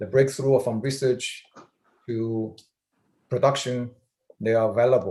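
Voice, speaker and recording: With a Chinese accent, a man speaks in a somewhat breathy, monotone, flat way, leaving long, frequent pauses. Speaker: AI technology executive. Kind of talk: lecture.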